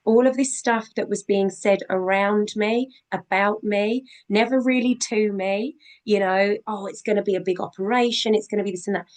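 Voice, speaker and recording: A woman guest on a video call, slightly husky from a cold, eager and talkative as she tells her story. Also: mid-range voice, steady tone, normal speed, hardly any pauses.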